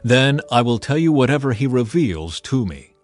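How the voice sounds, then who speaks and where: A man's voice: medium pitch, big pitch swings, normal speed, lightly acted. A man voicing a proud, stubborn ancient prophet with emphatic delivery in a dramatized scripture reading. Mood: resolute. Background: background music.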